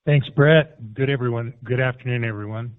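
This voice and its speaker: A man sounds set back from the microphone on a thin, phone-like line. His voice is mid-pitched, and he presents scripted financial remarks as a company executive on an earnings call. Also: fairly even intonation, normal speed. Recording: distant, tinny phone-line conference audio.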